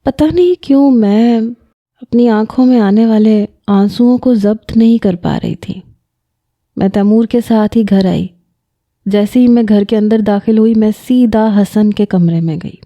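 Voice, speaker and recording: Warm-voiced woman narrating a story. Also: mid-range voice. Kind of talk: first-person scripted story narration.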